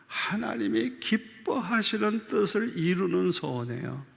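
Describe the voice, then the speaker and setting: A man's voice: high-pitched, big pitch swings, unhurried, vocal fry. A man preaching as a pastor in a church, telling his story with feeling and many repetitions, calling out to the congregation. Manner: calls out to the congregation. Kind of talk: sermon. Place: large church sanctuary. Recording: long hall reverb of a church.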